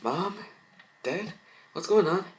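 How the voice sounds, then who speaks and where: A man voicing a kind-hearted young female fashion designer, emotional and halting, in an amateur story reading. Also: sits high, animated, pitched above the performer's own voice. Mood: alarmed. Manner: emotional, halting, repeats words.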